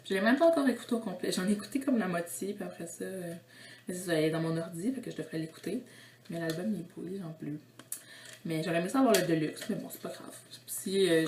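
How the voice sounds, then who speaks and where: A woman's voice: fairly low pitch, darkish tone, roomy sound, slight background noise. A young woman with a Quebec French accent, chatting casually in a haul vlog, giggly and rambling with lots of fillers. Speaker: vlogger.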